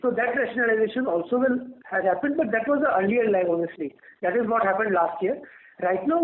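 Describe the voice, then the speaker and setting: A man with an Indian accent, a company executive explaining things on an earnings call, repeating words as he thinks. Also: high voice. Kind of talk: answering questions on an earnings call. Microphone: telephone line. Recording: narrow, tinny phone line.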